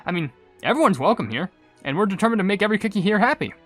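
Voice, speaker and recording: An eager, friendly cookie hero from a video game , put on by a man. The voice is chirpy and exclamatory, bouncing up and down in pitch. Soft music runs behind it. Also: big pitch swings, racing, heavily acted. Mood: eager, reassuring. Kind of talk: video game cutscene character voice.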